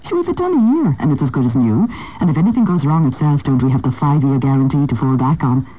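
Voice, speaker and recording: Irish housewife, radio ad testimonial, soft warm tone, chatty, confiding, satisfied. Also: female voice, low voice, animated, quick pace, poor audio. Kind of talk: conversational testimonial radio advert.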